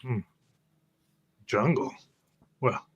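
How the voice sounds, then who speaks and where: A man's voice: medium pitch, extremely slow, husky. A man taking part in a tabletop roleplaying game, speaking and acting for his character.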